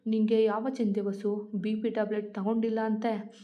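A hot-tempered but tender young grandson from a storybook, read out by a woman in her own voice. He barks at his family and begs softly at a bedside. The recording sounds dull and lo-fi. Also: mid-range voice, flat delivery, moderate pace, lightly acted. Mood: pleading. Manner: shouts at family, then pleads softly.

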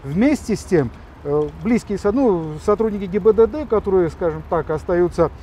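A man's voice: sits high, animated, normal speed, warm tone, a little hiss or hum. A man who is a lawyer answers interview questions outdoors. He explains things step by step and often restarts his words with "э". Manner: explanatory, with frequent restarts and filler sounds.

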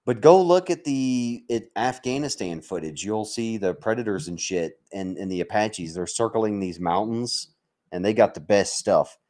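An American military veteran from Mississippi runs a livestream, talking casually to viewers in a fairly low, darkish voice at normal speed. He's animated, blunt, and sweary, keeping things joking and full of banter.

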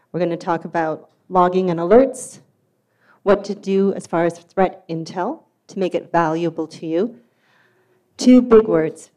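A woman's voice: fairly low pitch, darkish tone. A woman giving an enthusiastic, upbeat conference talk in a hall. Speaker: security conference speaker.

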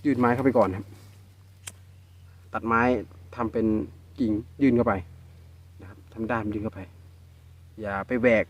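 A man with a Northeastern Thai accent narrating a casual outdoor vlog while he harvests wild bee nests, exclaiming excitedly and calling his viewers brothers and sisters. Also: mid-range voice, moderate pace, long pauses, muffled recording. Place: outdoors in rural scrubland.

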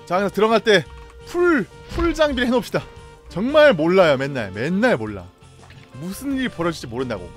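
A young man streaming a game live, reacting loudly, laughing and greeting viewers. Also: high voice, sing-song, brisk, soft background music.

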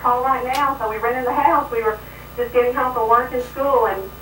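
A woman from the United States chats casually as a radio caller. Her voice is high, and the line is echoey and slightly distant with a faint hum. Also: fairly even intonation, normal speed, a bit bright. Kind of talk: casual phone chat.

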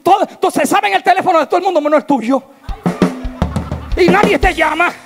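A male pastor preaching an impassioned sermon, swinging from shouted lines to hushed, tearful tones. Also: very high-pitched, fairly quick, over loud music.

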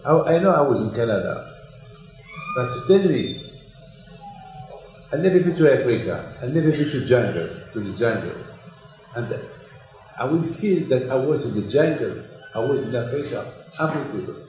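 An older man from Morocco, giving an animated Torah lecture in English, repeating his phrases. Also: mid-range voice, moderate pace, pauses often. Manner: animated, gesturing broadly, repeats phrases, non-native English. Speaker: rabbi. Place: synagogue hall, indoors. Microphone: desk mic on stand. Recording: echoey hall.

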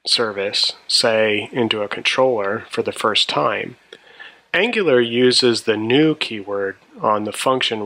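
A man's voice: medium pitch, bright, forceful tone. A man narrating a programming tutorial in a methodical, explanatory way. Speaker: programming instructor. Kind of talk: tutorial narration over a screencast.

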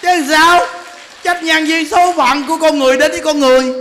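High bright-voiced Southern Vietnamese monk. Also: male voice, steady tone, a little fast, slight background noise. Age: 40s. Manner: chatty, laughs often, asks listeners rhetorical questions. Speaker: monk giving a Dharma talk. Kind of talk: humorous Buddhist sermon.

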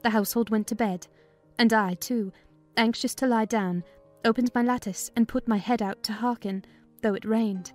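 A woman's voice: fairly high pitch, a little mellow. Woman narrating over faint music. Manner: measured literary storytelling. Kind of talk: dramatized audiobook narration.

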